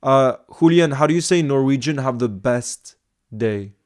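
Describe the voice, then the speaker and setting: A man chats through a live football stream at an ordinary middle pitch, reading comments and answering them as they come. He thinks out loud, circles back to fix his words and keeps an easygoing, conversational flow. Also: measured pace. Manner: chatty, thinks aloud with restarts and filler asides.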